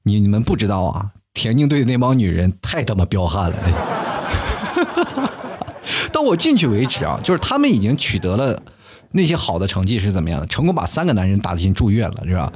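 Young guy doing a rapid-fire comedy monologue, lowish husky voice, swings all over the place. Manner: animated storytelling, acts out quoted people in a high voice. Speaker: talk show host. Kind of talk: stand-up style comic monologue.

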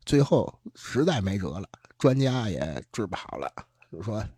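A man's voice: lowish voice, sing-song, normal speed, warm tone, breathy edge, no room sound, studio quality. A man telling a ghost story from his own life in casual, earthy, joking talk. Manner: earthy, humorous, swears casually. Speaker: radio guest storyteller.

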